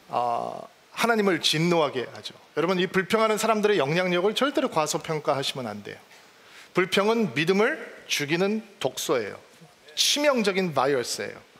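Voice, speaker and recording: High-voiced pastor preaching in a reverberant church. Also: male voice, fairly bright tone. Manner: conversational preaching, asks the congregation questions. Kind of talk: sermon.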